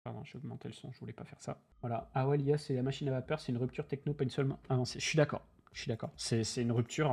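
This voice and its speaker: A man hosting a livestream, talking casually, bluntly and animatedly, with lots of slang and swearing. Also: medium pitch. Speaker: crypto channel host.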